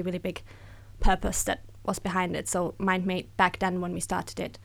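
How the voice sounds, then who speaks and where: A woman's voice: medium pitch, gravelly. A woman in her thirties with an Austrian accent, chatting openly and upbeat as a guest on an interview podcast. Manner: chatty and upbeat, quick asides with laughs. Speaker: guest, accelerator program director. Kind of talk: casual interview talk.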